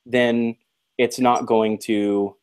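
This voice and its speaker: A man of middle pitch talks on a casual live podcast. He speaks earnestly and reflectively, then drops teasing asides to the others. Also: level tone, drawn-out words, darkish tone, clear, resonant tone.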